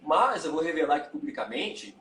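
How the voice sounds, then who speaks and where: A man, a tantra and yoga teacher, telling his personal story as a guest in a live interview, candid and halting, often repeating words. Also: a little high, very animated, a bit bright, echoey room.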